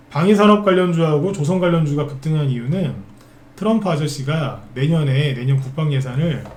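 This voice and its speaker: A man runs through the day's market movers in a live stock broadcast. His voice is mellow and dark, chatty, peppered with quick tag questions he answers himself. It sounds like an echoey room with a little background noise. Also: on the high side.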